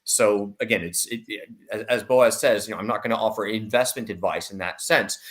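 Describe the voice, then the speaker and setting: A man's voice: on the low side, brisk, a bit bright. A man giving a conversational expert explanation on a panel, emphatic and insistent, repeating phrases to stress points. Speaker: investment commentator on a panel.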